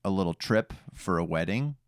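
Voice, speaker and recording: A man's voice: sits low, expressive, moderate pace, dry recording. A man co-hosting a podcast in casual chat, with a playful, dry joking manner. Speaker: podcast co-host.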